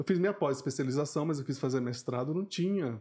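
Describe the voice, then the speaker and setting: A man with a Spanish accent speaks in a dark, mellow tone with ordinary pitch variation over a quiet background. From Brazilian Amazon region, born in Bolivia. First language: Spanish (speaking Portuguese). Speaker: professor of education. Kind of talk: podcast interview.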